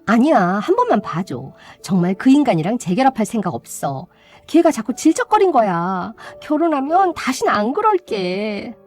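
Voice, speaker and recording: A woman's voice: on the high side, big pitch swings, brisk, warm tone, soft background music. A woman voicing a cheating young bride-to-be who whines and makes excuses, in radio drama style. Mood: pleading. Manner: whiny, making excuses.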